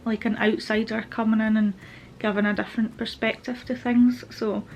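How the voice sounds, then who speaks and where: A woman's voice: on the high side, flat delivery, normal speed, a little mellow, a little hiss or hum. A young woman giving a candid, meandering personal update to camera at home, a little stuffy-nosed from a cold. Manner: open, meandering, with frequent fillers. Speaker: vlogger. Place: at home, with pet rabbits nearby.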